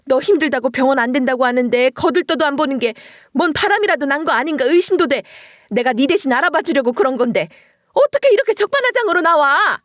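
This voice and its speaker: A woman putting on a shrill, brazen mother-in-law. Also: no echo, studio quality. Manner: loud, shrill, self-righteous scolding. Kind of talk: dramatized story reading.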